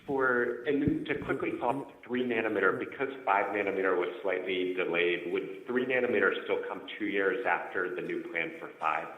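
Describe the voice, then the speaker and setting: A man's voice: low voice, brisk, hardly any pauses. A man asking a follow-up question as a financial analyst on an earnings call. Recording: muffled narrow phone-like sound, echoey.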